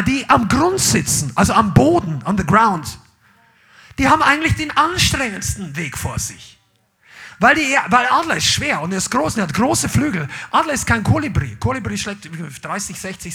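Man, pastor, animated church sermon, very high voice, husky tone. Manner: animated preaching, swings between loud calls and quiet asides; mixes in English phrases. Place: church service.

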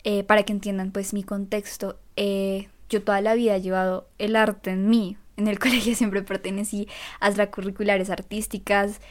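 A young woman from Colombia, a Catholic content creator, telling her own story in a lively, self-mocking way. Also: mid-range voice, moderate pace. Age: young adult. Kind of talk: personal storytelling vlog.

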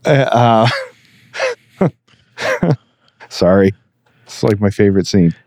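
A man's voice: fairly low pitch, expressive, slow, darkish tone, dry recording, clean studio sound. A young adult man co-hosting a podcast, chatting casually, laughing a lot and rambling with fillers. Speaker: podcast co-host. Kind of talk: casual chat.

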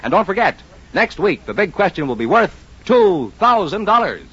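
A man announcing on an old-time radio show, his delivery lively and swinging in pitch, a little husky at the edges. The recording is dull and lo-fi, with faint music under it. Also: moderate pace. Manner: polished, booming announcer delivery. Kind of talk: scripted radio announcing and ad reading.

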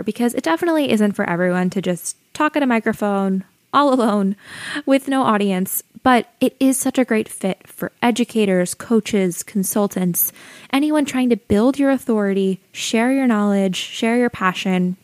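A woman's voice: fairly high pitch, no room sound. Soothing woman podcast teacher, dry close mic. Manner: calm, friendly advice-giving. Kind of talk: solo educational podcast talk.

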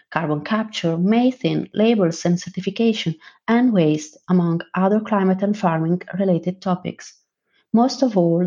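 A woman presenting a podcast episode, reading her introduction in a measured way. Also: mid-range voice, mellow. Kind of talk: read introduction. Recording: slightly dull recording.

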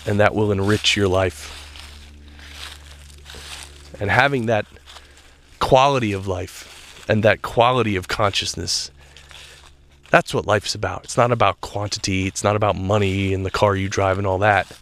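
A man with a slightly low voice speaks earnestly and reflectively as the host of his own spiritual podcast. He is a little stuffed up, so he sounds faintly nasal. He talks while walking outdoors, with faint crinkling and clicks behind him. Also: steady tone, normal speed, long pauses, a bit bright, slight background noise. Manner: earnest, reflective, loose talk with restarts. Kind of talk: solo spiritual podcast monologue. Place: walking outdoors in a state park.

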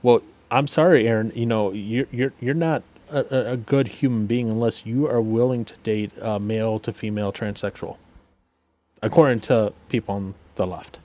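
A man's voice: fairly low pitch, normal speed, a little mellow. A man co-hosting a casual commentary chat, sarcastic, reading headlines and figures aloud with lots of fillers. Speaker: podcast co-host.

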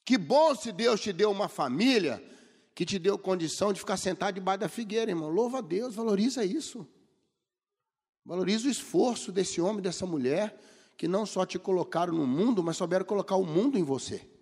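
A man's voice: high voice, animated, fairly quick, darkish tone, slightly rough. A middle-aged man with a Brazilian Portuguese accent preaching a sermon, telling humorous stories and acting out the people he quotes. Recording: long reverb of a large hall.

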